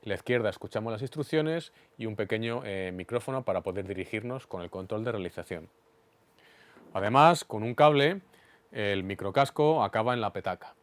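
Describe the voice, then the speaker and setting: A man with a Spain Spanish accent giving an instructional equipment demonstration in a clear, methodical, didactic way. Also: on the low side, expressive, normal speed, no room sound. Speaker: instructor explaining studio equipment.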